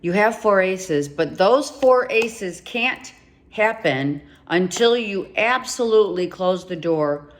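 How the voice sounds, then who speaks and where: A woman giving a monthly tarot reading, emphatic and repeating herself, her voice going hoarse with some coughing. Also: mid-range voice, animated, takes it slowly. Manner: emphatic, repeats herself, talks straight to the viewer. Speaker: tarot reader.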